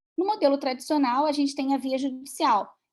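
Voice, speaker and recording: Her voice is high for a woman, and its pitch varies in an ordinary way. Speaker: lawyer and mediator giving a talk. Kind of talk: webinar lecture. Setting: online video call.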